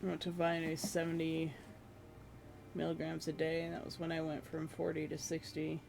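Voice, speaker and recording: A streamer chatting casually with viewers from their room at home, rambling and laughing at themselves, with a hoarse voice that is giving out. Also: mid-range voice, completely flat delivery, normal speed, darkish tone, slight background noise. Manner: rambling, self-deprecating, laughs often. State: hoarse, losing voice.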